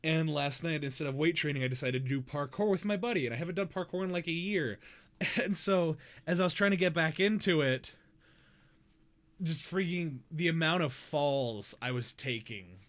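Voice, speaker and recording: A man's voice: normal speed, fairly bright tone. Chatty young man streaming. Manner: chatty, playful, with bursts of put-on high voices. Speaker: streamer host. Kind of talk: casual chat.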